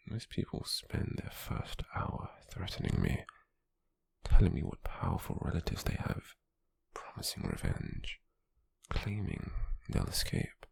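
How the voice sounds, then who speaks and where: A British man playing a possessive, calculating, smug slave merchant in a hushed ASMR roleplay, with a husky, breathy, gravelly voice and a slow, deliberate delivery. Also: sits low, no room sound, heavily acted. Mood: intrigued, approving. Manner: slow, deliberate, with lingering pauses.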